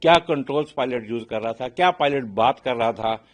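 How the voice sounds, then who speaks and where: Older male expert, Indian accent, medium pitch, halting explanatory interview delivery peppered with English phrases. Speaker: aviation expert guest. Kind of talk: spoken interview commentary, explaining.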